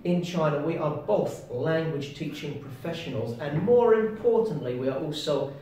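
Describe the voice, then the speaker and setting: A man's voice: on the high side, expressive, moderate pace, mellow, far from the mic. Dry-humored Englishman in an echoey room. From England. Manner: dry, self-deprecating humor. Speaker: co-host. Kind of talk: casual chat.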